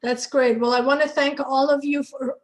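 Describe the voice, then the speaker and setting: A woman's voice: high voice, little pitch movement, moderate pace. A woman hosting an online panel discussion with artists, putting questions to guests over a video call. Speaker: host of an online talk series with artists.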